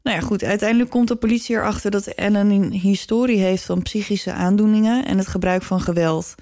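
A woman's voice: mid-range voice, fairly even intonation, brisk, mellow, no room sound. A woman with a mid-range voice tells a story as a podcast host. Her delivery is conversational, like recounting events to a friend. The sound is dry, with very little room in it. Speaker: true-crime podcast host.

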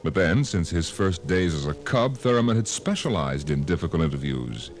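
Old timey radio announcer guy, really deep, dramatic narration w music behind. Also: big pitch swings, moderate pace. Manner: dramatic, portentous.

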